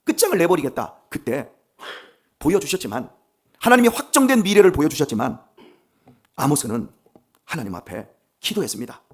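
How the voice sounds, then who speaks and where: Fervent, husky-voiced male pastor. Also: fairly high pitch, sing-song, moderate pace, pauses often. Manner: fervent, emphatic, dramatic storytelling. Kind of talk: dawn sermon.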